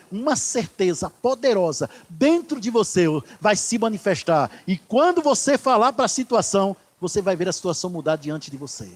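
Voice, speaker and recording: A pastor preaching a sermon in church, swinging from loud declarations to hushed asides. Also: male voice, sits high.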